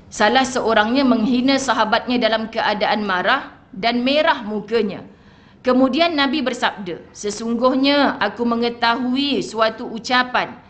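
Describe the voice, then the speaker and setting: A woman with a Malaysian Malay accent giving a lively religious lecture in a mosque hall, acting out little dialogues and asking the audience questions. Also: a little high. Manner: lively, acts out conversations, asks the audience questions. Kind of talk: sermon. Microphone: wireless mic.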